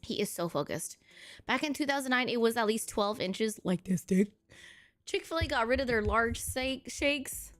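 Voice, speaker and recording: A woman's voice: a little high, lively intonation, moderate pace, soft background music. A woman of Filipino heritage chatting casually on a live stream, blunt and profane with frequent laughter.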